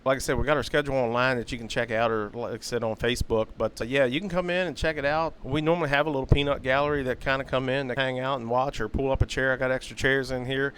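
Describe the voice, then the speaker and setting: A man's voice: mid-range voice, fairly even intonation, quick pace, hardly any pauses, a bit bright, slight background noise. A man who runs a hobby shop, talking in an easygoing way with fillers in a casual chat.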